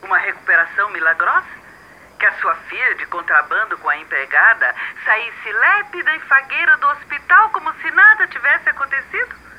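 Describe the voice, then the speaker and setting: An actress playing a cold, hostile middle-aged wife in a radio soap, cutting and sarcastic. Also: female voice, a little high, expressive, normal speed. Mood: scornful, sarcastic. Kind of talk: radio soap opera acting. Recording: dull lo-fi telephone sound, faint noise.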